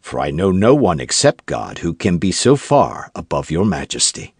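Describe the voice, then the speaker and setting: Man voicing a composed musketeer captain, low husky voice, quiet and measured, lively pitch. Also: no echo, clean studio sound, heavily acted. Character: calm, shrewd middle-aged captain of musketeers.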